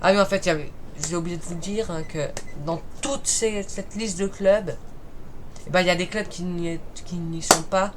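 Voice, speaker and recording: A man's voice: high-pitched, fairly even intonation, normal speed. A man from Paris talking casually in an unscripted vlog, often stumbling and correcting himself as he goes. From Paris, France. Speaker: YouTuber ranking football clubs. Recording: noisy recording with clicks.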